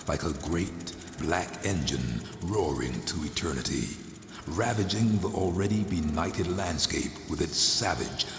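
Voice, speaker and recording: An actor playing a brooding undead voodoo warrior and grim lord of the dead, delivering solemn, poetic game cutscene monologues in a deep, gravelly voice. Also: male voice, noisy background, heavily acted. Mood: dark, horrified. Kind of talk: theatrical scripted monologue, game cutscene narration.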